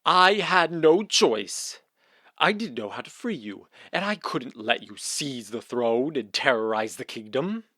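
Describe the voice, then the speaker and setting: A man's voice: mid-range voice, very animated, a little slow, sharp tone, dry recording, studio quality, full character voice. A man playing a defensive, guilt-ridden royal brother in a fairy-tale audio comedy, dramatic and self-justifying. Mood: pleading, self-justifying. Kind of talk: audio fiction comedy acting.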